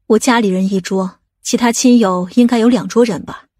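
A woman's voice: medium pitch, steady tone, normal speed, dark tone, breathy edge, dry recording, studio quality, lightly acted. A woman playing an imperious, commanding aunt from a powerful family in an audiobook drama. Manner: commanding, demanding.

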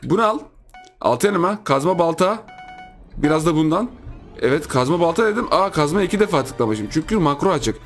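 A man talks his viewers through a round of a video game in a loose, chatty commentary, needling the other players with a grin in his voice. His voice sits a touch high for a man. Faint game music runs quietly underneath. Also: expressive, a little fast. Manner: playful, teasing, chatty with viewers. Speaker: gaming YouTuber. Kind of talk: casual let's-play commentary.

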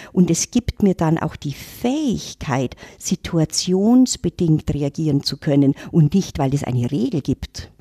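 A woman's voice: on the low side, dark tone, slightly rough, no echo, studio quality. A middle-aged woman, reflectively telling her story on a podcast. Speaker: intercultural trainer, guest. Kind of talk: casual podcast talk.

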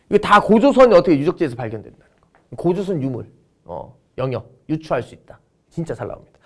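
A man teaching a history lecture for exam prep, joking and telling stories as he goes. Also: high voice. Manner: joking, storytelling, drawn-out words for effect.

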